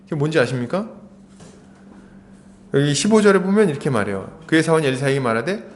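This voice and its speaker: Male pastor, high voice, lively storytelling sermon. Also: fairly quick. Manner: animated storytelling with rhetorical questions.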